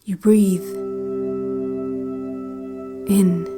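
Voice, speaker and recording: Relaxation-cassette guide for audio drama: female, unhurried, hypnotic, soothing yet eerie, clear music bed. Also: medium pitch, fairly even intonation. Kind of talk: slow guided-meditation narration.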